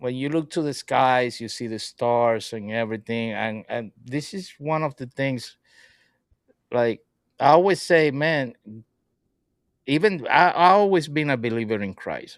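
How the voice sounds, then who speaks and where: A medium-pitched man with a Puerto Rican accent and lively intonation, fairly slow with long, frequent pauses, on a very clean recording with a silent background. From Puerto Rico. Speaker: gaming live-streamer. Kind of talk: interview conversation. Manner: halting, many repetitions.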